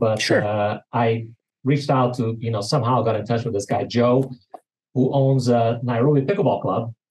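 A man speaks at a moderate pace in a medium pitch, somewhat breathy. His intonation stays fairly even over light background noise. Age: 50s. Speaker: professional pickleball player and coach; guest. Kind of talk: casual interview chat; interview answer. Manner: halting, many fillers. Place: home room. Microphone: earbuds.

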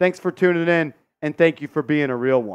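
The speaker sounds animated, with lively intonation at a fairly quick pace. The background is quiet. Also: man. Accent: American. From Texas. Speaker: sports streamer. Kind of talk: live commentary. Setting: studio. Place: studio. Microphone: headset.

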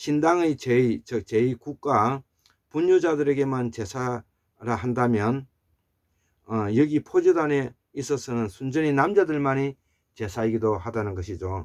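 A man of medium pitch talks at a fairly slow pace, the sound dry and close with no echo. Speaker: lecturer. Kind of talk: lecture reading from a book. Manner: halting, many filler words.

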